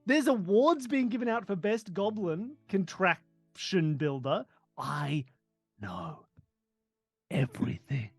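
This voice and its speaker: Higher-voiced playful man, dry sound. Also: sing-song, slow, creaky, husky, dry recording, soft background music. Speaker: tabletop game player. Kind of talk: casual in-character play and table chat.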